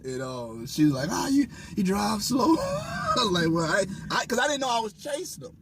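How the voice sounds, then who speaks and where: A man's voice: sits high, huge pitch swings, moderate pace, noisy background. A man telling casual stories as a guest comedian, slangy and profane, often laughing and acting out what people said. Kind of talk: animated casual storytelling with acted-out quotes.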